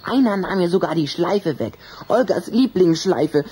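An actress playing a lovesick, sulky boy vampire with a husky, raspy voice and a melodramatic manner in a radio play. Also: lowish voice, lively intonation, moderate pace, mellow. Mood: indignant. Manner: emphatic, melodramatic.

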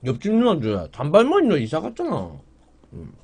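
Husky young guy eating on stream, talks while chewing, voice bouncing up and down a lot. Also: a little high, wildly swooping pitch, moderate pace, darkish tone. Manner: chatty, talks to viewers. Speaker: mukbang streamer. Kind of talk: casual live-stream chat.

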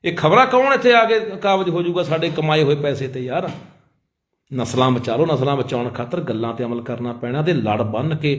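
A man's voice: fairly high pitch, a little fast. A man with a Punjabi accent making an impassioned, pleading public appeal as an activist, calling his listeners brothers.

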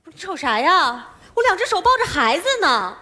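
A woman, acting in a stage comedy sketch, talking fast and flustered with many exclamations. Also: very high voice, big pitch swings, sharp tone.

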